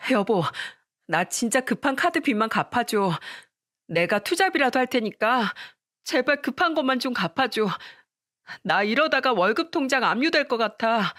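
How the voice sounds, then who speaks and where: A woman's voice: fairly high pitch, animated, moderate pace, fairly bright tone, no echo, clean studio sound, pitched above the performer's own voice. Woman playing a whiny, pleading young wife. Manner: whiny, begging tone.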